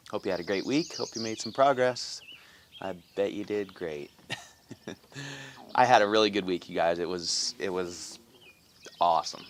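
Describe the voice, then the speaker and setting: A middle-aged man with a notably deep voice talks to his viewers in an upbeat, rambling morning chat. He fills pauses with "um" and restarts his sentences. He is recorded outdoors by his house, with faint birds and crickets behind him. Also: slight background noise. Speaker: vlog host. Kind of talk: casual morning video diary.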